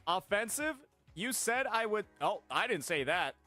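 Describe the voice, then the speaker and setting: A man's voice: high voice, very animated, unhurried, pushed and bright, soft background music. A man streamer talking to his chat, incredulous and sarcastic, defending himself. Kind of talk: livestream reaction.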